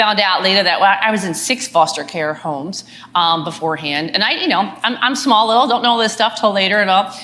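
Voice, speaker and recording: A woman with a Philadelphia accent talks at a very fast pace amid noticeable background noise and audible room echo. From Philadelphia, US. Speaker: business owner and speaker. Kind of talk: fireside chat on stage. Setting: stage with audience. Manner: animated.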